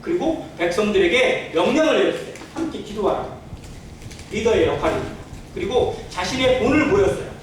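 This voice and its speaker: Echoey high-pitched man preaching a sermon. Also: expressive, brisk. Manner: earnest, explanatory, asks rhetorical questions. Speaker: pastor preaching to a congregation. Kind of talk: Sunday church sermon. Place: indoor church sanctuary. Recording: very echoey church hall, distant mic, faint noise.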